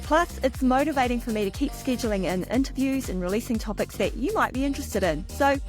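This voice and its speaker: A woman's voice: fairly high pitch, lively intonation, quick pace, faint music behind. A middle-aged woman, hosting a podcast interview in a chatty, encouraging way. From New Zealand. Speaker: podcast host.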